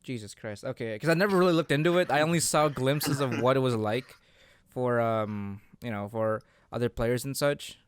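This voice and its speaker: A man's voice: mid-range voice, normal speed, slight background noise. A man co-hosting a casual podcast chat, talking hesitantly and often searching for his words. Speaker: podcast co-host.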